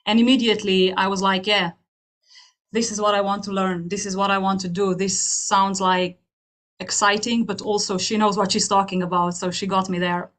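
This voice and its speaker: A woman with a Slovenian accent speaks at a middle pitch. She addresses an online audience with a personal testimonial. Her delivery is earnest and emphatic, building on repeated phrases. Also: little pitch movement, normal speed, fairly bright tone. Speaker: hypnotherapist speaking at an open house.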